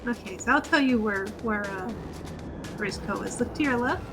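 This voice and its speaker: Her voice is fairly high and her speed normal, heard over music. In a relaxed game stream, a seasoned player patiently walks a newcomer through things with instructions and frequent laughter.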